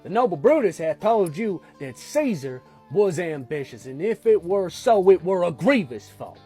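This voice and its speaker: A man with a Southern US accent and a husky voice, reciting a Shakespeare monologue in a casual, halting way with restarts. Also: high voice, big pitch swings, warm tone, faint music behind.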